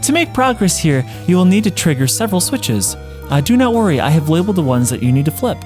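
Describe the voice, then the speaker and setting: Man putting on a gentle, high-pitched motherly monster lady. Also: sing-song, fast talker, soft background music. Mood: formal, instructive. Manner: formal, careful, reassuring phrasing. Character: gentle motherly female monster caretaker, doting and formal. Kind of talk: game dialogue read-along.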